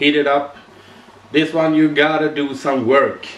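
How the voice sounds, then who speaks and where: The voice carries a Swedish accent and a monotone, flat intonation. Audible room echo and noticeable background noise fill the recording. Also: man. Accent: Swedish accent, non-native English. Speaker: home cooking youtuber. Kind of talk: cooking tutorial. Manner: halting, with frequent hesitations.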